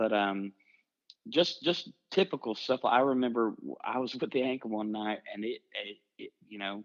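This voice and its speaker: A man talks at medium pitch and a moderate pace in an unremarkable speaking voice. The sound is dry and close with no echo, and his pitch varies in an ordinary way. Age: 40s. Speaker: gospel singer. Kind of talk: casual interview.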